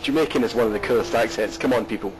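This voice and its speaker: A man's voice: medium pitch, very fast, over music, poor audio. A Scottish man commentating an online race and chatting with a guest, rambling with fillers and restarts. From Scotland. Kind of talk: live race commentary and interview.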